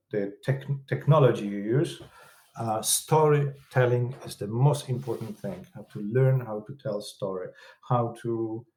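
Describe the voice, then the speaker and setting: A man from Poland with a Polish accent, a film director and producer, talking as a guest in a casual interview, halting and restarting often with broken grammar. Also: lowish voice, a little mellow, echoey room. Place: room in London.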